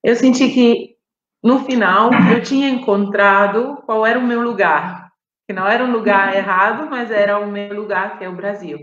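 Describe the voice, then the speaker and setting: A woman from Brazil who grew up in Italy, telling her personal story at an unhurried, reflective pace and pausing to search for words. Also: medium pitch, fairly even intonation, a bit bright, echoey room, lo-fi sound. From Brazil, raised in Italy. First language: Italian. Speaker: guest on a live stream. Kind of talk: personal storytelling on a video call.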